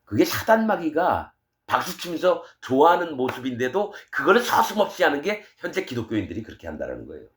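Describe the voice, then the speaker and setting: Fiery, scolding male preacher. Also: mid-range voice. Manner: fiery, scolding, swings between loud bursts and quiet asides. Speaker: pastor. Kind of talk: sermon.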